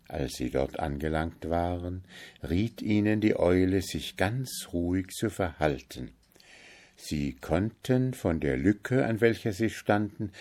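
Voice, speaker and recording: A man tells a fairy tale in an audiobook. His voice sits low and his pace is slow. He reads in a measured and calm way. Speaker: narrator. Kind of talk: audiobook storytelling.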